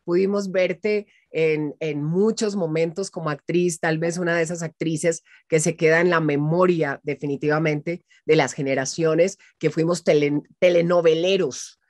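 Low-voiced woman hosting an interview. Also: steady tone, normal speed, few pauses, darkish tone, dry recording, studio quality. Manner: affirming, frequent agreeing interjections. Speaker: podcast host, voice mentor. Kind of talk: interview host. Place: home room. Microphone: video call.

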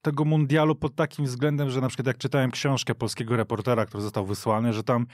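A man on a radio football show, telling football history in an animated way with firm verdicts, speaking in a studio. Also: mid-range voice, fast talker, no echo. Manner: animated storytelling with emphatic verdicts. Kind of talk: studio podcast discussion.

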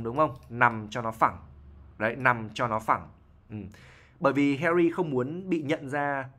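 A man's voice: medium pitch, bright, forceful tone. A man, an IELTS teacher explaining English words from a novel, often checking in with "right?" and repeating himself. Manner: explanatory, frequent "right?" tag questions and repetitions.

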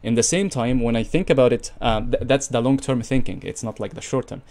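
A young man hosts an interview over a video call, mid-pitched and ordinary in tone. He works through his thoughts slowly, leaning on fillers and restarting his phrases as he goes. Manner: soft backchannels, searching phrasing with many fillers. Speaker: podcast host. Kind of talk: casual interview conversation. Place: home room, video call.

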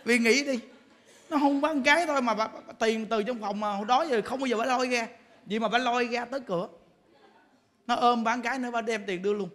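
A male Buddhist monk delivers a sermon full of jokes and stories, often laughing mid-sentence. His voice sits very high and rings bright and forceful. It carries a long reverb from a temple hall. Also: quick pace. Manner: humorous storytelling, laughs while talking. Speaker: Buddhist monk giving a Dharma talk.

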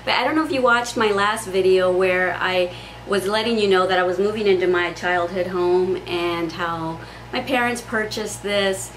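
A woman's voice: medium pitch, normal speed. A woman in her forties giving a chatty, rambling home tour vlog, full of ums, filmed in a small pink bedroom on a camera mic. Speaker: craft vlogger. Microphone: camera mic on a tripod. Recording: echoey room, faint background hiss.

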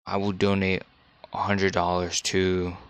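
A young man doing deadpan, unimpressed reaction commentary as a streamer. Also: low-pitched, unhurried, clear, resonant tone, no room sound, highs cut off. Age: young adult. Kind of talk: casual live reaction commentary. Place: dark small room indoors. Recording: loud noise and clip audio behind.

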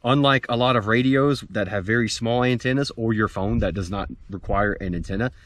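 A man's voice: fairly low pitch, brisk, a bit bright, no echo. An American man in his forties giving a casual, plain-spoken gear review to camera outdoors. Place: outdoors in a dirt clearing among pines.

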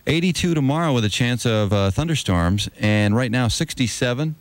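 A man's voice: mid-range voice, lively intonation, moderate pace, slight background noise. A man with an American accent bantering casually as a morning radio host, close on a studio mic. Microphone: close broadcast studio microphone with headphones.

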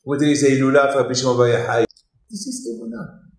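An older man from Morocco, giving an animated Torah lecture in English, repeating his phrases. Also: medium pitch, fast, creaky. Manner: animated, gesturing broadly, repeats phrases, non-native English. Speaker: rabbi. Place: synagogue hall, indoors. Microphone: desk mic on stand. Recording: echoey hall.

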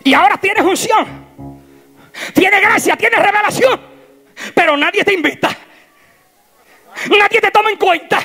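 A male pastor preaching an impassioned sermon, swinging from shouted lines to hushed, tearful tones. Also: extremely high pitch, measured pace, long pauses, soft background music.

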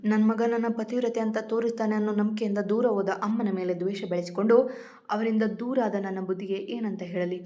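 A woman's voice: mid-range voice, little pitch movement, fairly quick, mellow, lightly acted. A woman voicing a remorseful grown son who weeps with regret, in a storybook reading. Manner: anguished, sobbing questions.

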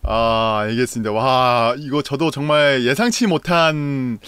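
A man's voice: medium pitch, a little slow, a bit bright, clean tone, no room sound. A young man in his twenties hosting a casual streamed talk show, playful and teasing, often laughing. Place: small bedroom, indoors.

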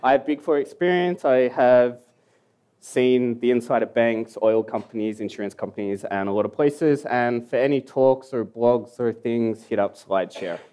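Mellow-voiced Australian man giving a talk. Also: medium pitch, moderate pace, smooth. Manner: casual, joking, mumbling at times. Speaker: security conference speaker. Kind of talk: conference talk. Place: conference hall.

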